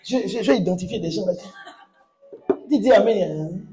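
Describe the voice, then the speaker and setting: A man preaching a sermon as pastor, exhorting the congregation with call-and-response and bursting into loud exclamations. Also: high-pitched, moderate pace, background noise.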